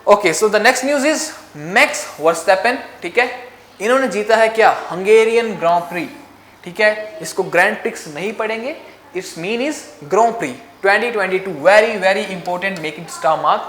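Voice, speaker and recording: A woman's voice: mid-range voice, slow pace, fairly bright tone, reverberant, a little hiss or hum. A woman with an Indian accent teaching a current affairs exam lesson, mixing English phrases into her explanation and checking in with frequent "ok?" questions. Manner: repeats key facts with frequent "ok?" check-ins.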